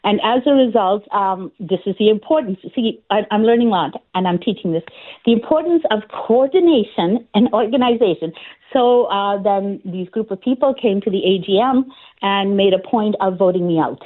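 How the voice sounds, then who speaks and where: A woman's voice: medium pitch, normal speed. A woman speaking as a political candidate on a radio call-in interview, talking earnestly with many fillers and restarts. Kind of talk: phone interview on talk radio. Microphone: phone. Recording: tinny phone line.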